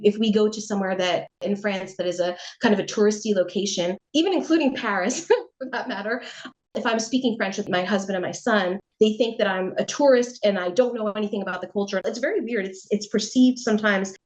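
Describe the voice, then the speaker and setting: A middle-aged American woman, a writer giving an interview, talks through her answers a little fast in a medium-pitched, slightly mellow voice. She's chatty and reflective, hedging often, musing aloud, and laughing lightly now and then.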